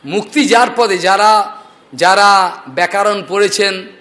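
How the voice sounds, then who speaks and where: A man's voice: sits high, slow pace, bright, forceful tone. An older man giving a devotional discourse on scripture, explaining verses and asking and answering his own questions. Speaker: preacher.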